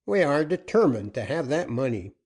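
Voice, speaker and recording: A man voicing a commanding outlaw captain in a storybook reading, loud and forceful. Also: fairly high pitch, sing-song, moderate pace, pitched above the performer's own voice.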